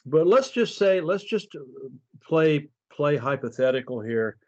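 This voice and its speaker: A man co-hosting a podcast, asking questions in a slow, thoughtful way with many pauses. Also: a little high, very animated, darkish tone. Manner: slow, thoughtful, hesitant with fillers. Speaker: podcast co-host. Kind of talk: conversational interview questions. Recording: dull lo-fi remote audio.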